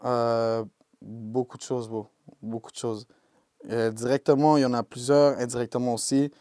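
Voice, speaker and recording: His delivery is flat and his pitch medium, but the young Quebec rapper's voice stays mellow and warm as he answers casual interview questions. Laid-back and slow-paced, he sprinkles in English slang like "yo" and "bro" over a Québécois French accent, in a close, dry recording.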